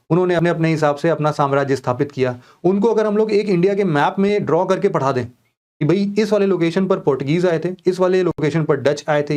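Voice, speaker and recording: Chatty Indian coaching teacher, raised pitch. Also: male voice, darkish tone. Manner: conversational, mixing English words into Hindi, addressing students directly. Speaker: online exam coaching teacher. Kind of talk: explaining a course schedule to students.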